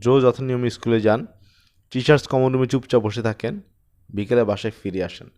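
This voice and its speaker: A man reading a short story as an audiobook narrator, in an expressive storytelling style. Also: mid-range voice, brisk.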